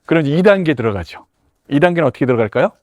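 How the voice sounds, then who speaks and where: A middle-aged man, a head teacher, gives a lively workshop talk to fellow teachers and acts out classroom exchanges in different voices. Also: on the high side, very fast, no echo, clean studio sound.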